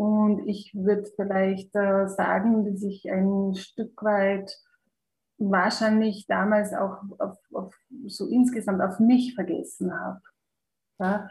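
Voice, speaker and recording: Somewhat breathy and medium in pitch, a woman talks at a very slow pace with monotone, flat intonation. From Czech Republic. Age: 40s. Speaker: psychotherapist. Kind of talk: interview.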